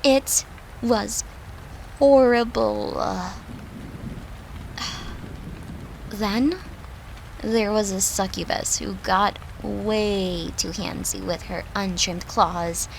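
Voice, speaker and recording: A woman's voice: medium pitch, fairly even intonation, drawn-out words, pauses often, a little hiss or hum, low-quality recording. A woman playing a tender human girlfriend, an occult summoner confiding in her demon lover in an intimate, earnest audio roleplay. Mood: exasperated, animated. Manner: soft, earnest, confiding, with sighs and breathy laughs.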